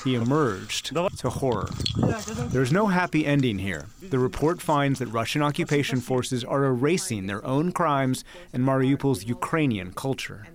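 A man, a news correspondent, narrating a scripted TV news report in a measured, even way. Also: mid-range voice.

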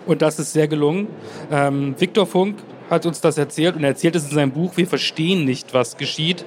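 A man's voice: fairly high pitch, fairly quick, a little hiss or hum. A man hosting a book podcast, asking questions in an engaged, conversational way. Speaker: podcast host. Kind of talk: interview questions.

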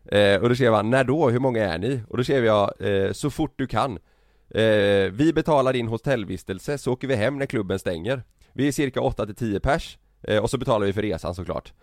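A man's voice: lowish voice, no echo, studio quality. A man in his thirties, a podcast host, telling a long anecdote in casual chat, laughing and acting out quoted lines.

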